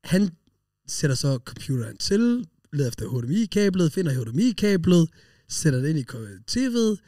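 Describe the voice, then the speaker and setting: A man co-hosting a podcast, telling funny anecdotes in a lively, casual way and laughing often. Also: high-pitched, no echo, studio quality, distant mic. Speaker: podcast co-host. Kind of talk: casual storytelling chat.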